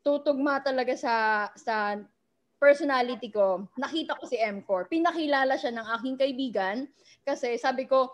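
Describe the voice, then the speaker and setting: High-voiced chatty Filipino woman. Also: normal speed. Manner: chatty, keeps asking "di ba?". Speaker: guest speaker sharing her story. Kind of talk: personal testimony talk. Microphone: video call.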